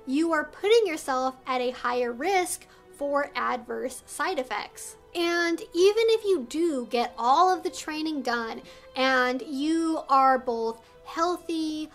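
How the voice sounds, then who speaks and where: A woman with a high voice speaks as an educational video host. She takes her time, stressing points in an articulate, explanatory manner. Faint music plays behind her. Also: animated, takes it slowly, a bit bright. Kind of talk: instructional talk to viewers, semi-scripted.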